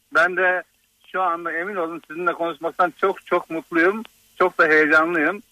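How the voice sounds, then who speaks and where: In a dry, close recording with no echo, a man talks in a high pitch with a bright, sharp tone. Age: 40s. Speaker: concrete pump operator. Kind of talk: phone-in call to radio show.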